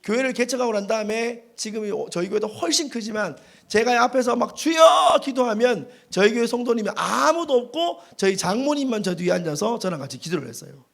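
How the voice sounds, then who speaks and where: A male pastor delivers a revival sermon in a church. His voice sits high with a gravelly edge and leaps up and down as he acts out his stories. The telling is animated and dramatic. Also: brisk. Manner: animated storytelling with dramatic acted quotes.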